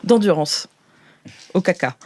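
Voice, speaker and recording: A woman's voice: on the low side, animated, measured pace, a little mellow, a little hiss or hum. Woman improvising as game master. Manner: hesitant, playful, slangy. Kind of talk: improvised tabletop role-playing narration.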